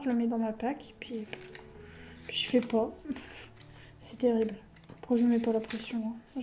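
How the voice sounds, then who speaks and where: A woman with a high, mellow voice talks through her hobby notebooks in a loose, chatty flow. She keeps losing her thread and cutting herself off. The recording sounds slightly dull. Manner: rambling and self-interrupting, laughs at herself. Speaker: vlogger. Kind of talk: casual chatty vlog talk.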